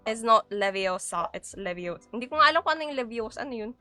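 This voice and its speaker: A young woman with a Filipino accent chatting on a cooking stream. Her voice is bright and clear, a little higher than most, and she talks in a playful, chatty way. It sounds like a dry room with faint music in the background. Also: very fast, no room sound. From Philippines. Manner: playful, chatty, switching between Tagalog and English. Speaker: VTuber streamer. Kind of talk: casual live-stream chat while cooking.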